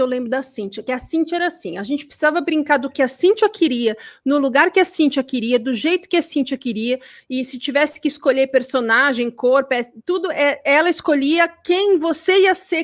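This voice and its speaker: Brazilian woman, high voice, lively teacher who mimics people she quotes. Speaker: burnout recovery teacher. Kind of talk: live online class.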